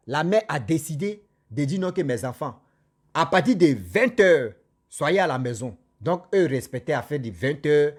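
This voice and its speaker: Slightly high-voiced male storyteller. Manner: animated, repetitive, addresses listeners directly. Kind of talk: casual spoken storytelling.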